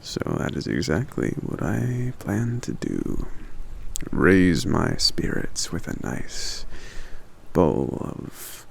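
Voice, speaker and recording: Man voicing a very slow, gravelly, gentle giant. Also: huge pitch swings, a little hiss or hum, full character voice. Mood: warm, musing. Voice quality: very deep, gravelly. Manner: slow, musing, hesitant, with soft hums. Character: gentle, contented giant man living in the forest. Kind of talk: ASMR roleplay, soft intimate character monologue.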